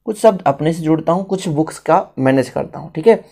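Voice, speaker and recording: A man's voice: on the high side, a little fast, gravelly, warm tone. An Indian man teaching a writing lesson step by step, repeating phrases and switching languages as he explains each one.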